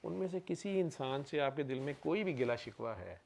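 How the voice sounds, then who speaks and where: A man with a gravelly, rough-edged voice advises a caller as a spiritual healer. He speaks in an instructive way, pausing often to ask whether he is understood. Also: mid-range voice, expressive, darkish tone. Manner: instructive, keeps checking understanding. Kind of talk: casual advice session.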